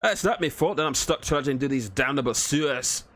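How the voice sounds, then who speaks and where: A man voicing a gruff, bickering male dwarf with a rough, whiskey-soaked Irish-Scottish brogue. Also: mid-range voice, fairly quick, fairly bright tone, pitched above the performer's own voice, natural voice. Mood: boisterous. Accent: Irish-Scottish put-on brogue. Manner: boisterous, bickering.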